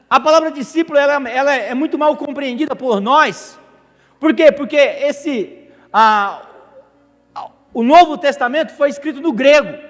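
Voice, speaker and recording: A man preaching a sermon as pastor, animated and jokey, asking the congregation questions. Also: extremely high pitch. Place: church hall. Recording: echoey church hall with music.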